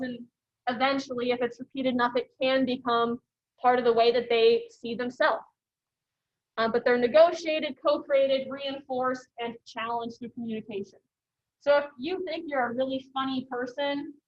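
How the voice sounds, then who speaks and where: A high-pitched woman in her thirties teaching a college class in a loose, chatty way, filling her sentences with "you know" and "um". The recording sounds dull and lo-fi. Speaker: college instructor. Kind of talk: casual classroom lecture.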